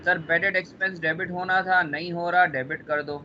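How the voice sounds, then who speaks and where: High, bright-voiced man teaching accounting. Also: steady tone, brisk, dull audio, a little hiss or hum. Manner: teasing, drills students with repeated questions. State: sore throat. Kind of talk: classroom lecture with questions to students.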